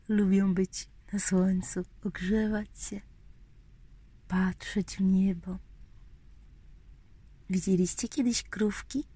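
A woman telling a bedtime story to small children in a whispery, breathy voice, gently repeating phrases and asking them questions. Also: medium pitch, dry recording. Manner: slow, gentle, addressing little children with repetitions and questions.

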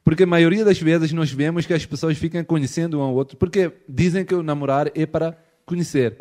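Non-native man with a European Portuguese accent, halting and searching for words, casual interview guest. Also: fairly high pitch, mellow. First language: not Portuguese. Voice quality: hesitant, with frequent restarts and filler checks. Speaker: missionary guest.

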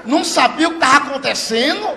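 A middle-aged man telling a profane stand-up comedy story on a live stage, laughing through his lines and shouting when he acts out the people in it. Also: very high voice, quick pace, gravelly, a crowd in the background, noisy background. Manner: loud, laughing, animated, profane, slips into shouted voices for characters.

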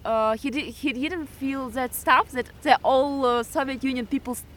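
A woman's voice: high-pitched, steady tone, moderate pace, fairly bright tone. A woman in her twenties from Kyrgyzstan, answering interview questions hesitantly, often laughing and correcting herself. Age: 20s.

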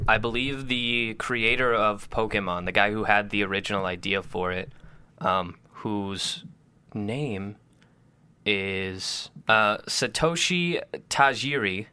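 A man's voice: on the low side, bright, forceful tone, clear, resonant tone. A young man co-hosting a casual podcast chat, rambling and swearing casually. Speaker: podcast co-host.

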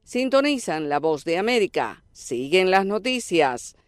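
A woman's voice: on the low side, very animated, unhurried. A woman announcing a station identification, heard as an AM radio broadcast.

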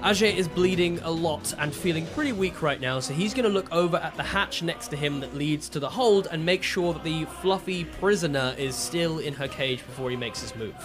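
A man's voice: a little high, normal speed, few pauses, music in the background. A man playing in a fantasy role-playing podcast, casually describing his character's moves.

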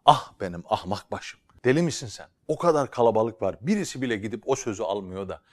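A down-on-his-luck traveler grumbles under his breath and scolds his own foolishness, as a storyteller puts him on. He swings between hushed muttering and exasperated outbursts, in a plain man's voice. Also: low-pitched, expressive, moderate pace. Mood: grumbling to himself. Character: grumbling poor male traveler, worried and self-scolding.

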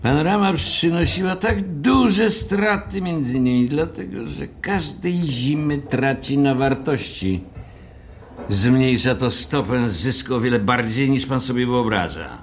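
An actor playing a pedantic, haughty hotel manager who speaks in a formal, fussy, long-winded way in an audio drama. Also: male voice, mid-range voice, lively intonation, unhurried, slight background noise, close to an everyday voice. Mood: stern, explanatory.

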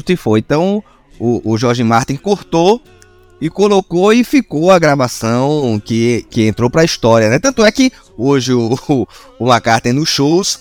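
A man with an Alagoas accent co-hosting a casual music podcast, relaxed and slangy, often repeating words as he talks. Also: mid-range voice. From Alagoas, Brazil. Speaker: podcast co-host. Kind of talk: casual podcast chat about music albums.

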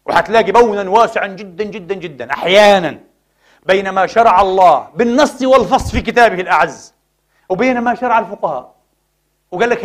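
Fast impassioned high-voiced male preacher. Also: a bit bright. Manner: impassioned, rhetorical questions to the congregation. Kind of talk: Friday sermon. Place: mosque.

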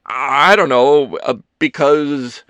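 A narrator plays an awkward, well-meaning man in an audiobook. He stammers and hesitates, anxiously backtracking, his pitch moving up and down a lot in a dry, close sound. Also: expressive, takes it slowly, vocal fry, no echo, exaggerated voice. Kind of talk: audiobook character dialogue.

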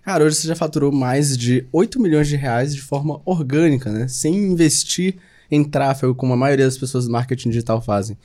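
Fast-talking Brazilian podcast co-host. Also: male voice, medium pitch. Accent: Brazilian Portuguese. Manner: relaxed, slangy. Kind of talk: podcast interviewing.

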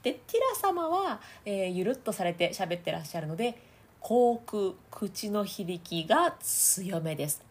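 A woman's voice: on the low side, moderate pace, breathy edge. A woman, a voice trainer hosting a chatty podcast, laughing often and trying out voice placements as she explains them. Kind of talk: casual audio podcast talk.

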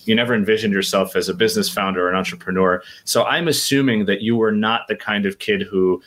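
A male podcast host with a somewhat low voice asks long, wandering questions. He restarts and rephrases them as he goes. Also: steady tone, fast, fairly bright tone, a little hiss or hum. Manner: rambling, rephrases his questions. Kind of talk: interview questions.

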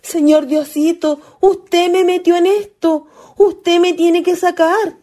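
A woman's voice: very high voice, fairly even intonation, takes it slowly, warm tone, slight background noise. A woman playing a lovestruck young ghost, a naive country girl with a Chilean accent and earnest colloquial speech, in a radio play. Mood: pleading. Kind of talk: radio theatre acting.

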